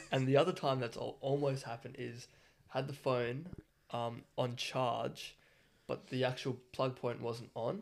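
The speaker has an Australian accent and fairly even intonation. The pace is fairly slow. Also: man, medium pitch for a man. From Perth, Western Australia. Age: young. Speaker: podcast host. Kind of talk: casual chat.

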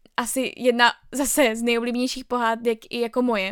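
Recorded very cleanly against a silent background, with a dry, close sound and no echo, a woman speaks at high pitch and a moderate pace in a bright, sharp tone. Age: 20s. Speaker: podcast host, journalism student. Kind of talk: casual solo monologue. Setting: at home in her room.

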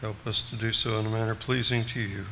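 Over noticeable background noise, a man talks at a medium pitch and a moderate pace. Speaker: church member leading communion prayer. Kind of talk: prayer. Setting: church.

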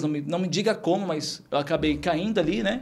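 A man's plain, everyday voice, fairly high in pitch, with ordinary pitch variation and a fairly quick pace. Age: 30s. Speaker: gamer and influencer. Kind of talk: podcast interview.

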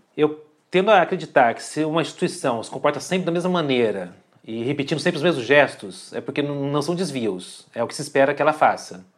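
In a very clean recording with a silent background, a man with a plain, everyday voice speaks fairly high and fairly quickly, with lively intonation and big swings in loudness. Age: 40s. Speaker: journalist. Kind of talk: interview.

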